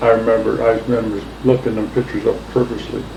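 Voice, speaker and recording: A man with an Inland North American accent, noticeable background noise and audible room echo. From Central New York. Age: 60s. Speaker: oral history interviewee. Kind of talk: oral history interview. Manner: halting.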